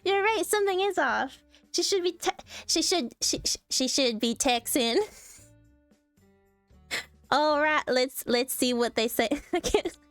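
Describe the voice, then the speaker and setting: A young adult woman streaming casually, reacting to posts in a playful, animated way and laughing often. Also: high-pitched, takes it slowly, no echo, faint music behind.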